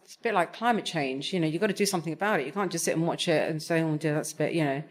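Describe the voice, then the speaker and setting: A woman's voice: deep voice, very fast. A woman talking on a panel, hesitant, with many fillers and restarts. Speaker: TV executive on a panel. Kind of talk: conversational panel talk.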